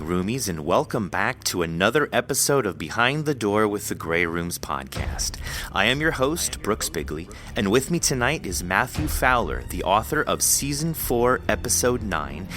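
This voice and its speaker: A man's voice: lowish voice, sing-song, normal speed, over music. A man hosting a podcast interview in a conversational, effusive and wordy manner.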